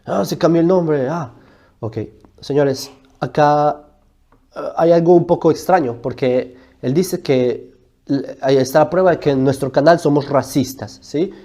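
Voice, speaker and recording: A man with a warm, dark voice speaks casually to his audience. He pauses a video and talks directly to viewers in a relaxed, informal way. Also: fairly high pitch. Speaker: channel host. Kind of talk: casual commentary over played video.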